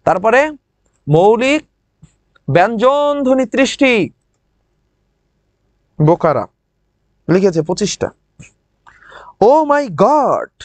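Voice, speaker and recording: Male teacher, high animated voice, teasing, dry close recording. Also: no room sound. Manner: lively, teasing, addresses students by name. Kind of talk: online class lecture.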